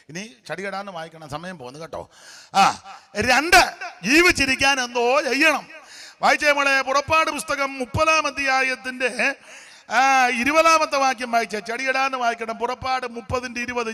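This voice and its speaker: A man preaching with a very high, ringing voice that has a hard, bright edge. He is an animated pastor who speaks plainly and directly to the congregation and echoes each verse after it is read. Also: normal speed. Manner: colloquial, repeats each verse after the reader; animated, talks directly to listeners. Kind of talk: lively preaching sermon.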